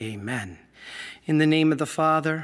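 A man with a plain, everyday voice speaks at a fairly high pitch. His pitch variation is ordinary. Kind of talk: religious teaching talk with prayer. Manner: earnest, persuasive.

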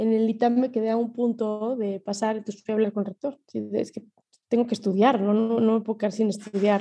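Fairly high in pitch yet dark and mellow in tone, a woman speaks at a fairly quick pace. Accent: Mexican. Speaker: criminologist and nonprofit spokesperson. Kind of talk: casual interview. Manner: animated.

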